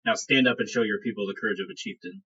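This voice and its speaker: Figure: stern tribal chieftain, acted by a man. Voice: husky, commanding. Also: fairly low pitch, very animated, fast talker, pushed and bright, recorded from a distance, highs cut off, full character voice. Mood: angry, stern. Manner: commanding, curt.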